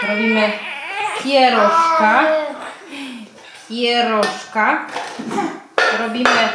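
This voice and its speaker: A woman in her thirties, a mother vlogging at home, showing speech games to toddlers and chanting sounds for them. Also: fairly high pitch. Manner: lively, sing-song sounds for toddlers. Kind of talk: casual vlog demonstration. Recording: echoey home room with noise.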